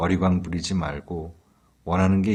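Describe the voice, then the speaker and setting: A man's calm, somewhat breathy, very deep and low voice at a fairly slow pace. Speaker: audiobook narrator. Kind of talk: audiobook reading of an essay.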